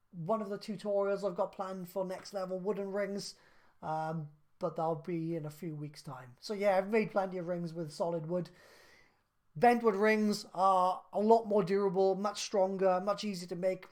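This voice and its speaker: A man in his thirties on a live stream, reading out viewer questions and answering them in a relaxed, chatty way with lots of fillers. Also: sits high, moderate pace. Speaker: craft business live streamer.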